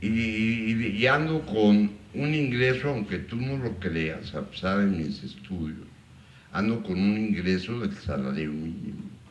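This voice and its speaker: A man's fairly low voice at a very slow pace, with audible room echo. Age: 60s. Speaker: audience member. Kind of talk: audience question at public talk. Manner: halting, repetitive.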